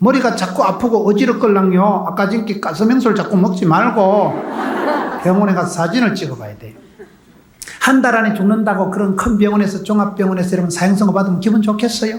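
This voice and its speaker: Speaking in an animated tone with a strong Gyeongsang accent, a high-pitched man talks at a fairly quick pace over noticeable background noise and audible room echo. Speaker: pastor. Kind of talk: revival sermon.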